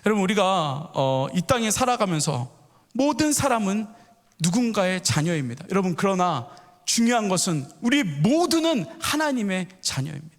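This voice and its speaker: A man's voice: sits high, very animated, moderate pace. A middle-aged male pastor giving a storytelling sermon that asks the congregation questions. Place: church sanctuary. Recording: echoey church hall.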